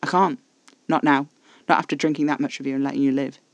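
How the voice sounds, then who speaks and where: A man's voice: mid-range voice, flat delivery, quick pace, no echo, lo-fi sound, lightly acted. A man voicing an intense, haughty male vampire. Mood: intense, possessive. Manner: haughty, exasperated, formal wording. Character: intense, frustrated, possessive male vampire with formal speech.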